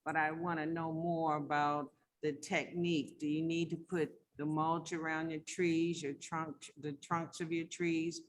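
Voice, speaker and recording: A woman's voice: low voice, little pitch movement, a little slow. A woman from Saint Kitts with a Kittitian accent, an organic farmer asking questions in an online session. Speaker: organic farmer, workshop participant.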